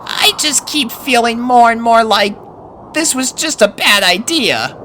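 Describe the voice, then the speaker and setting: A man acts out a young boy unicorn from a storybook, pitched very high and bright. He is bossy with his friends but anxious underneath, and his voice swoops about. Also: lively intonation, a little slow, slight background noise, exaggerated voice. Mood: doubtful, downcast. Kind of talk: acted character voice in fan fiction reading.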